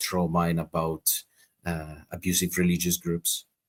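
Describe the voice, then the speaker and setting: A man with an Italian accent, very deep and low in pitch, at a moderate pace with monotone, flat intonation, on a very clean, dry, close recording with no echo and a silent background. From Italy. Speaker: musician and ex-Jehovah's Witness. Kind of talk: interview. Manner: halting, many repeated words.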